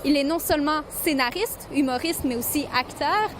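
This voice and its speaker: Female student reporter, high voice, on-camera standup. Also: moderate pace, noisy background. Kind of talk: news standup and sign-off.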